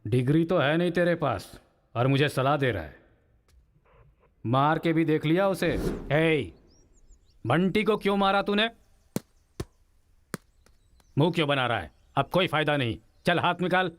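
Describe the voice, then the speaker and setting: An actor playing a middle-aged father in prison who tells the story of his son in a flat, tired way. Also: a little high, measured pace, pauses often, in a large hall, a little hiss or hum. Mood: scolding. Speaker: prisoner recounting his son's past. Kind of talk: low-budget film acting.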